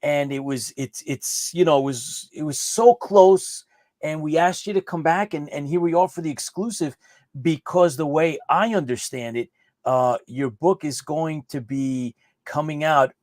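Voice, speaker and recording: A chatty man hosts a live online interview show. His voice sits a little high, and the sound is close and dry with no room echo. He often repeats words and restarts his sentences. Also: a little slow, a little mellow. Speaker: host.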